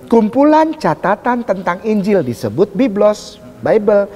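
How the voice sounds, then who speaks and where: Guy lecturing in a debate, pitch jumps all over, pushy rhetorical questions, long hall echo. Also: unhurried. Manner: animated, emphatic, asks rhetorical questions. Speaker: preacher in a religious debate. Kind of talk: public lecture. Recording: echoey hall reverb.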